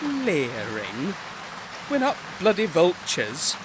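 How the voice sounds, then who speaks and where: A man's voice: fairly high pitch, wildly swooping pitch, slow pace, exaggerated voice. An actor playing a prissy, melodramatic married gay man with pompous, arch phrasing in an audio comedy. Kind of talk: comedy audio drama dialogue. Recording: clearly noisy, rain-like background.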